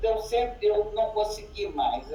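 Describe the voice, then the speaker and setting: A woman with noticeable background noise and audible room echo. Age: 60s. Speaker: property owner client. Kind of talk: testimony.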